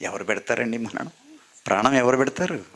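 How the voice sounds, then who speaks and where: A man's voice: medium pitch, expressive, fairly quick, a bit bright. A man preaching a sermon as a Catholic priest, leading the congregation in call-and-response and mixing in English phrases.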